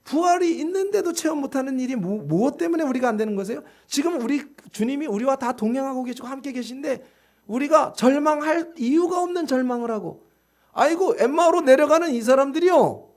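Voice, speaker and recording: A man preaching a sermon as pastor, emphatic and full of rhetorical questions to the congregation, swinging between loud exclamations and hushed, slow asides. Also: extremely high pitch, lively intonation.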